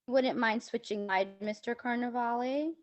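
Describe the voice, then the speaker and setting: A woman's voice: fairly high pitch, normal speed, no room sound. A woman giving a polite presentation at a public meeting over a video call, her voice cutting in and out on a bad connection, with frequent "um" fillers.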